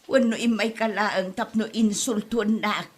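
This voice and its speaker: A woman's voice: mid-range voice, fairly even intonation, a little slow, husky. A woman with an Ilocano accent playing a defensive, cross mother in a comedy drama. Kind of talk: scripted drama acting.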